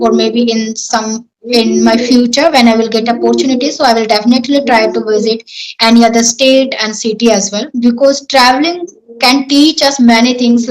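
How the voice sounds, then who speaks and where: A woman's voice: a little high, low-quality recording. A young woman from Rajasthan with an Indian accent, a Marwari speaker answering questions on an English practice call, with careful, rehearsed sentences and fillers. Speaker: English learner. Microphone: online call.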